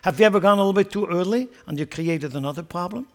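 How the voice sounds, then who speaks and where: Pastor guy giving a sermon, fairly high voice, gets fired up and stumbles over repeated words. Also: fast talker. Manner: impassioned, repeats words while building emphasis.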